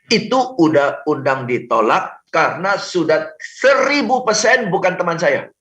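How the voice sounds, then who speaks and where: A man, a sales trainer, giving advice on a radio talk show, animated, laughing often, acting out phone calls and mixing in English phrases. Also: fairly high pitch, unhurried, reverberant, highs cut off. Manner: mixes English phrases into speech.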